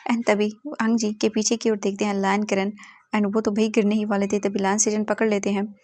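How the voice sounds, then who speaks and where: A woman casually retelling a romance story, chatty and animated. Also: mid-range voice, brisk. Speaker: story narrator.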